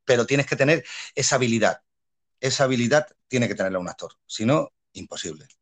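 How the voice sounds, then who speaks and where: Male actor, Spain Spanish accent, animated anecdote-teller, medium pitch. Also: brisk. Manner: animated storyteller, laughs often, many fillers and repeats. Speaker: actor guest. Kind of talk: casual interview chat.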